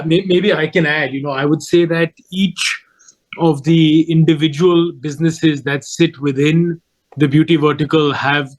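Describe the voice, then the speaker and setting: Flat-toned, higher-voiced male executive. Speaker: company executive. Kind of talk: earnings call answers.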